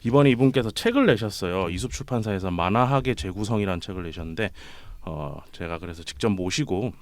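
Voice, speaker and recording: A man hosting a casual interview podcast, playful and quick to laugh, his voice a little off from a cold. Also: lowish voice, no echo. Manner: playful, laughs often, teasing. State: has a cold, voice slightly off. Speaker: podcast host.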